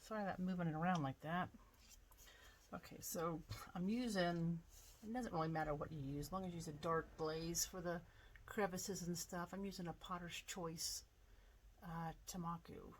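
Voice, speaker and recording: Relaxed woman with a low voice. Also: moderate pace, slight background noise, poor audio. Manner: chatty, relaxed, thinking aloud with fillers. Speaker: pottery artist demonstrating glazing. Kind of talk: casual demonstration. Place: home pottery studio.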